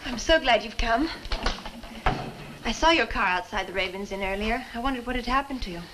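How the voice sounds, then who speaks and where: An actress playing a polite, worried young woman, gentle and earnest, in a 1960s horror film. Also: a little high, a little fast, close to an everyday voice. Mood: anxious, polite. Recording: noisy old film soundtrack.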